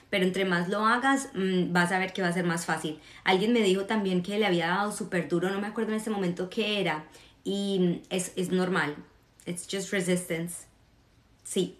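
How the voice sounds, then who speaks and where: A woman's voice: on the low side, fairly bright tone. Encouraging woman meditation guide, roomy echo. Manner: encouraging, reassuring. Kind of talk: guided meditation and live chat with viewers.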